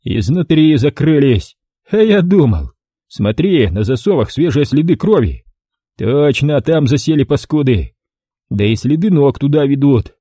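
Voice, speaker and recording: A male narrator voicing a crude, bossy male thug with a hoarse, cracked baritone. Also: dark tone, no room sound, clean studio sound. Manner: barking, rude.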